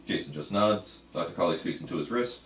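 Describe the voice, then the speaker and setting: A man's voice: sits low, a little fast, a bit bright. A man reading screenplay stage directions aloud at a table read in a roomy space. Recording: roomy, distant mic, faint room noise.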